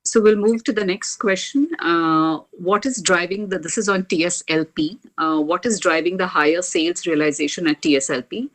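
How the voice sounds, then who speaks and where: A woman moderating a corporate earnings call, measured and businesslike, pausing often as she reads out questions. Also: fairly low pitch, fairly bright tone.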